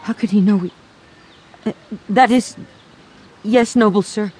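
A woman's voice: mid-range voice, a little slow, a little mellow, slight background noise, natural voice. An actress playing a wary, protective Jewish grandmother in an audio drama, with an anxious, urgent manner. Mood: nervous, deferential. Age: older.

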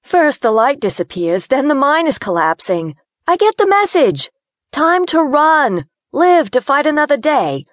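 A woman's voice: medium pitch, very animated, no room sound, clean studio sound, pitched above the performer's own voice, natural voice. Woman playing a jumpy, sassy city girl. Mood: nervous, sassy. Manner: jumpy, sassy, quick to panic. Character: feisty claustrophobic city girl, young woman.

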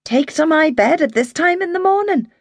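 A woman's voice: fairly low pitch, normal speed, no echo, pitched above the performer's own voice, natural voice. A cranky, stubborn older woman who refuses to give in to feeling ill, as a woman reading a story puts her on. She speaks with a short, grumbling edge. The sound is close and dry. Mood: cross, weary. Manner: cross, stubborn.

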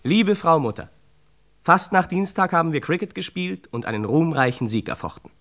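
Guy acting cheerful boastful schoolboy writing home, radio drama, mid voice, very lively melody. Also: medium pitch, natural voice. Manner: bright-spirited, boastful. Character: cheerful schoolboy youth reporting proudly in letters home. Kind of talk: letters read in radio play.

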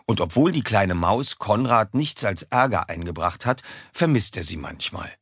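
Lively husky male storybook narrator. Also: fairly low pitch, normal speed, no room sound. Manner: lively, expressive. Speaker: audiobook narrator. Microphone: close studio mic. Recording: dry close studio sound.

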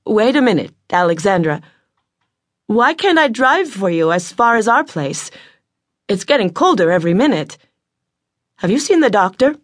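A woman voicing a slight, helpful teenage boy who speaks calmly and matter-of-factly. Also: medium pitch, moderate pace, pauses often, no room sound, clean studio sound, voice pushed up. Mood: concerned.

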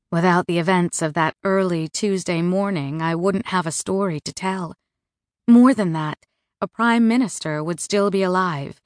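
Low-voiced woman narrating an audiobook. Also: no echo, studio quality. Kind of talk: first-person literary narration. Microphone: close studio mic.

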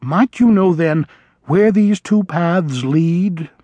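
A man's voice: high-pitched, slow, dark tone, dry recording, voice pushed up. A man voicing a young male mouse who is cheerful, keen and polite. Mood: eager. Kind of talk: audiobook character voice.

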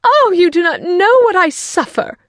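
A fretful middle-aged mother from a classic novel. Her voice sits very high and swoops wildly as she complains, exclaims and gushes. The recording is close and dry. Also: lively intonation, normal speed, no echo. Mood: self-pitying. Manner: shrill exclamations, complaining, effusive. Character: fretful, excitable middle-aged mother, self-pitying and gushing.

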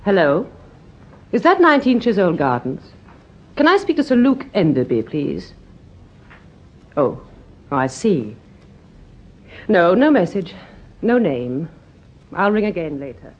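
A woman's voice: on the low side, very animated, measured pace, long pauses. An actress playing a polite, secretive British woman with a hesitant manner in a radio drama. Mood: guarded. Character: polite, anxious, secretive female neighbour. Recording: dull vintage radio recording.

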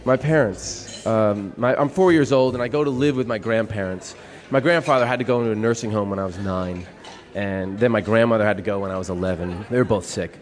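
An actor playing a nervous, smitten young man on a first date in a radio play, talking in halting, self-deprecating rambles. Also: on the low side, lightly acted. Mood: rambling.

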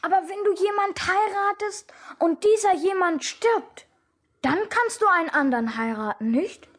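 A woman's voice: very high-pitched, expressive, moderate pace, a bit bright. A woman voicing a curious six-year-old boy in a radio drama who asks earnest, wondering questions. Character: little boy, about six, curious and eager.

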